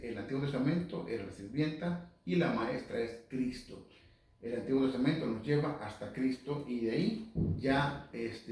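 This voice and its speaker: A man giving an informal Catholic Bible lesson on radio, talking conversationally, repeating words and reading verses slowly. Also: medium pitch. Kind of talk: informal Bible study talk. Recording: very echoey room, distant mic.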